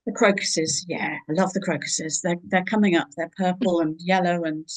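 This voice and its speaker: A woman speaks casually as a guest in an online talk. Her voice sits a little low, and she talks in an informal, conversational way. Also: fairly even intonation, normal speed, rough recording. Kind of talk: casual chat.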